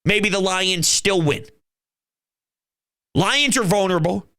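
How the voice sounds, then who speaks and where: A man's voice: sits high, expressive, slow, a bit bright. A man hosting his own fan channel, talking football in an emphatic, fired-up way and swearing now and then. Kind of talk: fan commentary vlog.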